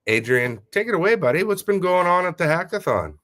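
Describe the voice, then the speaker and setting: A man hosting a casual live audio stream, sounding nasal and stuffy from a head cold and giving upbeat shout-outs to listeners. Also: high-pitched, very animated, a little fast. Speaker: host. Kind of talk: casual livestream chat.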